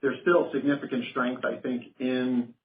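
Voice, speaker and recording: A man's voice: medium pitch, level tone, normal speed. A man speaking formally as a finance executive presenting on a company earnings call. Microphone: conference phone call. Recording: roomy phone line with noticeable hiss.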